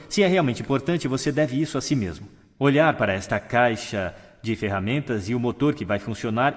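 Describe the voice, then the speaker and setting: A man giving a stage talk on how to speak, showing changes of register, pace, pitch and volume as he goes. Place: large hall with audience. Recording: long hall reverb.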